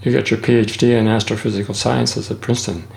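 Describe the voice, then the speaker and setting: A male interviewer with a deep, strongly gravelly voice. He asks brief, curious questions to keep his guest talking. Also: level tone, quick pace, a little mellow. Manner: short, curious prompts.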